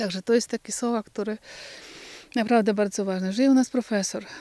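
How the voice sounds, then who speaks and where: The speech comes at a fairly quick pace in a Ukrainian accent, with a dry, close sound and no echo. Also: woman. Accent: Ukrainian accent in Polish. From Ukraine, Kyiv region. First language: Ukrainian (speaking Polish). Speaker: holiday resort owner helping refugees. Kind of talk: news interview.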